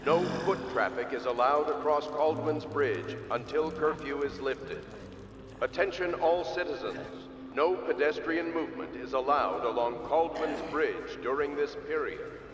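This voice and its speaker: An actor playing an official city announcer who speaks formally over a public address loudspeaker. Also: male voice, fairly high pitch, measured pace. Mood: stern. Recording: echoey loudspeaker with reverb and noise.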